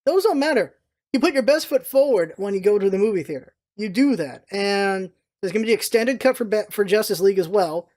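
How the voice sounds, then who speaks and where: Vlog host, medium pitch. Casual, opinionated commentary, emphatic and exasperated, prone to ranting. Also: lively intonation, a little fast, darkish tone.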